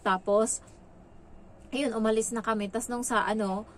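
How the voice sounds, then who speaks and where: A woman's voice: a little high, fairly even intonation, moderate pace, a little hiss or hum. A woman from the Philippines, a domestic worker abroad, telling a story to her channel in a chatty, gossipy way, full of filler words. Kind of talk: casual vlog storytelling.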